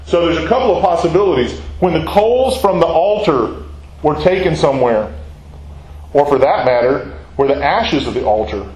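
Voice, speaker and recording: A man's voice: on the high side, lively intonation, moderate pace, darkish tone, reverberant, poor audio. A man teaching a Bible study, talking in a conversational way and asking his listeners questions.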